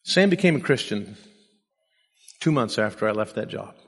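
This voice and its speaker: A man's voice: fairly low pitch, animated, moderate pace, a bit bright, breathy edge, long reverb tail. A man preaching a sermon and telling personal stories with self-deprecating humor, saying he is sleep deprived. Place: church.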